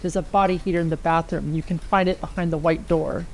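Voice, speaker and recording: Haughty vain princess for fantasy audio play, played by a woman; slightly low pitch, curt, superior delivery. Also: steady tone, fast talker, darkish tone, a little hiss or hum. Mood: breezy, imperious. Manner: imperious, dismissive. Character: vain, haughty, irritable princess with swappable heads. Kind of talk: audio drama acting.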